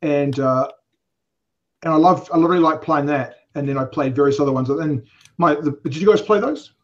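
A man's voice: fairly high pitch, moderate pace. A man in his forties from England, raised in New Zealand, with an English accent tinged by New Zealand, talking as a guest in a casual podcast interview, rambling with many fillers and wry asides. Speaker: convention organizer, guest. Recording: dull lo-fi podcast audio.

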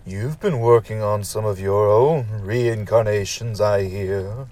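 Man playing slow-talking deadpan mad scientist. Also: lowish voice, natural voice. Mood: dry, macabre. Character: deadpan, centuries-old mad scientist horror host. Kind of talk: scripted comedic horror hosting.

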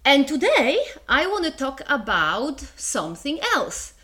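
A woman's voice: sits high, sing-song, a little slow, bright, forceful tone. A woman with a Polish accent hosting her own podcast, explaining ideas in a chatty, wry way with asides. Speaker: podcast host. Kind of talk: solo podcast lecture.

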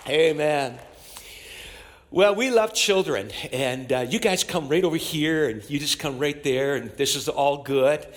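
A man's voice: medium pitch, normal speed, few pauses. A man preaching and praying as a church pastor, in a declamatory, repetitive cadence punctuated with amens. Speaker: pastor leading a church service. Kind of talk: sermon and public prayer. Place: church platform, speaking to a congregation.

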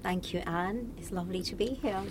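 A woman from Morocco speaks as a guest in an interview. Her voice sits a little low. She talks in a casual, reflective, conversational way. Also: steady tone, brisk, background noise.

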